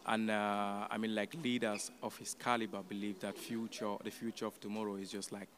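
A man's voice: fairly low pitch, little pitch movement, a little fast, fairly bright tone. Young man from Cameroon, hesitant on-air talk. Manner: hesitant, many fillers and restarts. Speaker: youth advisory committee guest. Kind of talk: casual radio interview. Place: open pop-up radio booth at an event. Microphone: table mic on a stand with headphones.

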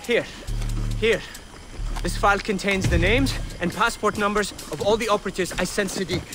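A man's voice: sits high, moderate pace, music in the background, close to an everyday voice. An actor playing a slick, anxious black-market dealer in a video game, formal and persuasive as he bargains. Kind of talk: dramatic video game acting.

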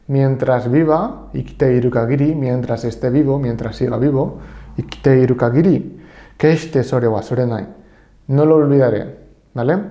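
A man with a Spain Spanish accent teaches a Japanese lesson, his voice dark and mellow. He explains patiently and repeats each example slowly. The sound carries a roomy echo. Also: medium pitch. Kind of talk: online language lesson.

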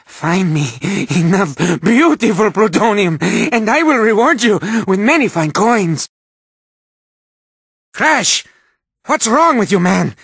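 Raspy, unhinged cartoon villain. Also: male voice, sits high, a bit bright, no echo, clean studio sound, exaggerated voice. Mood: ingratiating. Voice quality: raspy, strained. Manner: halting, melodramatic. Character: unhinged, obsessive cartoon villain scientist, grovelling and volatile. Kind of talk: animated video game character acting.

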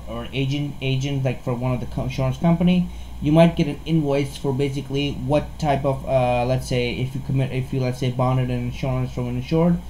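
A man giving an informal explainer as a presenter, speaking haltingly and often repeating words and restarting. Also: medium pitch, warm tone, a little hiss or hum, low-quality recording. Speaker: insurance broker presenting a tutorial. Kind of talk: informal screen-share explainer.

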